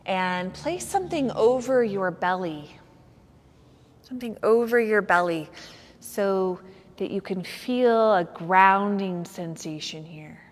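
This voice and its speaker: A woman leads a guided relaxation as a yoga nidra teacher. Her delivery is very slow and soothing, with gentle instructions and room left between phrases. Her medium-pitched voice carries a long, hall-like reverb. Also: expressive. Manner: soothing, gentle, unhurried guiding with pauses.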